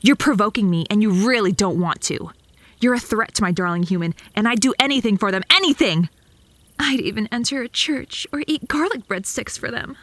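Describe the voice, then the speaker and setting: A woman's voice: medium pitch, lively intonation, a little fast, a bit bright, dry recording, lightly acted. A woman playing a possessive, lovesick, bratty vampire in a comedic ASMR roleplay, haughty and theatrical, by turns flirty and threatening.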